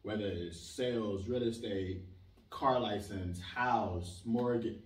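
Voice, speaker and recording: A young man from Israel, talking casually as an interview guest, animated and emphatic, with lots of "like". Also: fairly low pitch, slow pace. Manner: animated, emphatic, leans on filler "like". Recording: roomy sound, mic at a distance.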